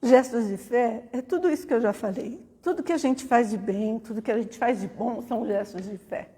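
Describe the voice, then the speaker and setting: A woman's voice: a little high, normal speed, warm tone, husky, big-room sound. A middle-aged woman giving an informal spiritual talk at a study center. She tells personal stories in a chatty way and keeps tagging phrases with a questioning "né?". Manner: conversational, often tags phrases with "né?". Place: spiritist center meeting hall.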